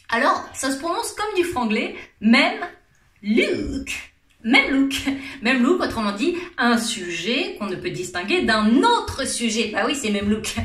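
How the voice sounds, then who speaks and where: A woman's voice: high voice, fairly bright tone. A woman with a French accent doing a playful, theatrical comic monologue, teasing and laughing often. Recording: roomy echo.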